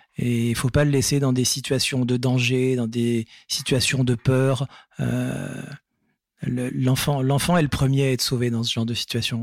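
In a very clean recording with a silent background, a man speaks at a medium pitch and a fairly slow pace, his intonation monotone and flat. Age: 40s. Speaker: person recovering from alcohol addiction. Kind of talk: testimony. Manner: halting.

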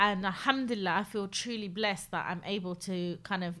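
A woman talks at a fairly quick pace with medium pitch. She has an ordinary speaking voice. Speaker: company founder and podcast guest. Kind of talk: casual reflective conversation.

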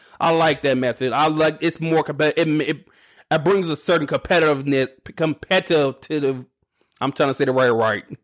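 A man speaks in a fairly high voice with fairly even intonation and very even loudness. The recording is very clean, with a silent background and a dry, close sound with no echo. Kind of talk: casual chat. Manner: fast talker.

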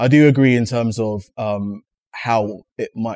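A man at a medium pitch with a dark, mellow tone and fairly even intonation, in a very clean recording with a silent background and a dry, close sound with no echo. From Nigeria. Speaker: panelist. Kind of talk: panel debate. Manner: halting, repeats words.

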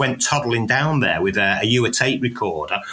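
A man with a Mancunian accent and very wide pitch swings, against noticeable background noise. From Manchester, England. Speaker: radio presenter and music writer. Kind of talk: casual chat.

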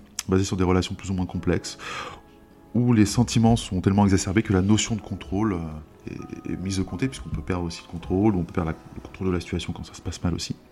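With music in the background, a man talks at a very fast pace. His pitch is very deep and low, his intonation fairly even. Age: 20s. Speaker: podcast host. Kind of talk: reading aloud; casual chat.

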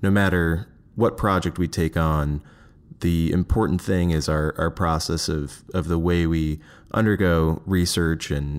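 This man has a very deep, low pitch and talks at a fairly slow pace with ordinary pitch variation. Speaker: sound designer at an audio branding agency. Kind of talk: podcast interview.

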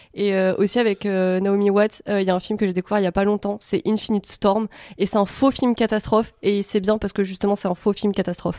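Her voice is a dark, mellow tone at medium pitch, monotone and flat, very even in loudness and fairly quick in pace, recorded very cleanly against a silent background with a dry, close sound and no echo. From France, Cannes. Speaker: film critic. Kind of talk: casual chat.

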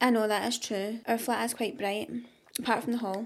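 A woman with a Glasgow accent talks at a fairly quick pace with fairly high pitch. Her intonation is fairly even, and there is noticeable background noise. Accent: soft Scottish, Glasgow-tinged. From Scotland. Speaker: podcast co-host. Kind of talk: casual chat.

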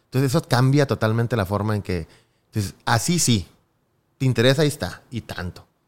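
At a fairly quick pace, a man with an ordinary speaking voice and medium pitch talks with lively intonation on a very clean recording with a silent background. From Tijuana, Mexico. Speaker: social media page creator. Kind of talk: casual chat.

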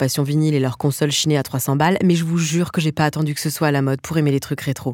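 Very deep and low in pitch, a woman talks at a very fast pace with ordinary pitch variation. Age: 30s. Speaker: comedian and podcast host. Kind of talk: scripted narration.

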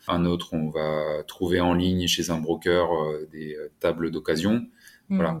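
The man's voice is very deep and low in pitch. He talks at a fairly slow pace with monotone, flat intonation. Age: 40s. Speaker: company founder. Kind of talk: interview. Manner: hesitant with fillers.

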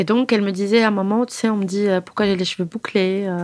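A woman speaks at a medium pitch with a flat, monotone intonation. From Morocco, Casablanca. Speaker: writer and slam poet. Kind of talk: interview, casual. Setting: studio.

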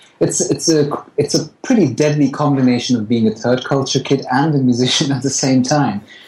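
Speaking at a fairly quick pace, a man with a fairly high pitch sounds somewhat breathy, his intonation fairly even. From India and Europe (mixed upbringing). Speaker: singer-songwriter. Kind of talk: casual interview. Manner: halting.

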